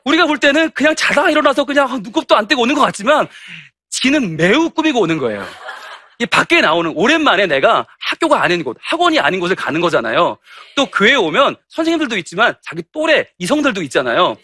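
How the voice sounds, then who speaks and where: Brief: middle-aged pastor lecturing teachers, animated and humorous, very expressive pitch. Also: male voice, quick pace, no echo. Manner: animated and humorous, acting out anecdotes. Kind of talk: lively lecture to church teachers.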